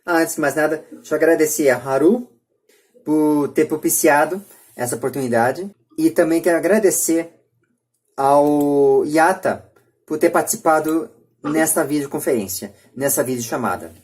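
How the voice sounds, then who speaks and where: A man's voice: fairly high pitch, moderate pace, darkish tone. A Brazilian man hosting a podcast, giving opinions emphatically with repeated phrases and rhetorical questions. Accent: Brazilian Portuguese. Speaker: podcast host.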